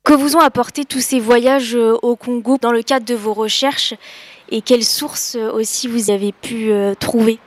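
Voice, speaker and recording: A woman's voice: a little high, steady tone, normal speed. A woman hosting a radio show, reading a scripted introduction and then asking her guest careful, slightly hesitant questions. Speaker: radio host.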